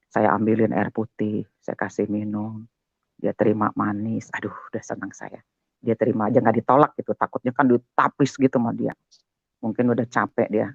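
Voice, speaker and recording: An older man tells a personal testimony in a lively conversational way, turning again and again to his listener. His voice is gravelly. The recording sounds dull and dry. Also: lowish voice, no echo. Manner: animated, keeps addressing the listener as "Pak". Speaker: guest sharing a conversion testimony.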